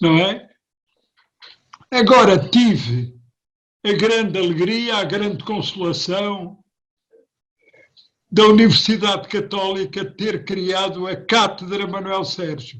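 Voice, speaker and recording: A man talks at a very slow pace. His voice is high, with ordinary pitch variation. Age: 80s+. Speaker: retired professor and philosopher. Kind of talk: online panel debate.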